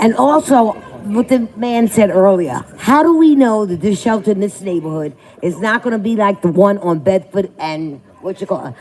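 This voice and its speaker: Over noticeable background noise, a woman at medium pitch talks at a moderate pace with very wide pitch swings. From Brooklyn, New York. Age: 60s. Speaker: community resident speaking at town hall. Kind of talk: public comment at town hall. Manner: halting.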